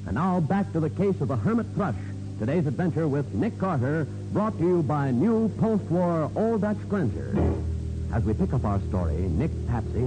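Animated old-time radio announcer man over music. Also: medium pitch, low-quality recording. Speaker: announcer and narrator. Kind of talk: dramatic scripted 1940s radio narration. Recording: vintage radio broadcast with music behind.

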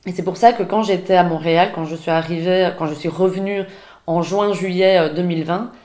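A woman's voice: lowish voice, fairly even intonation, a little fast, a little mellow. A woman from Belgium, a podcast guest, talking casually and hesitantly with many restarts. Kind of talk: casual conversation. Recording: roomy echo.

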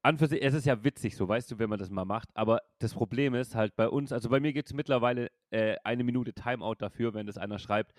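A man's voice: medium pitch, quick pace, hardly any pauses, no room sound. Guy in his 30s hosting a chill podcast, rambly, laughs a lot, dry close sound. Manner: rambling, laughs often, swears casually. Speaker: podcast host and streamer. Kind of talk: casual chat.

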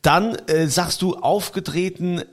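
A man's voice: high voice, measured pace. A man hosting a casual chat, asking curious, loosely phrased questions. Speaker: host. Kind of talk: casual chat in a wine bar.

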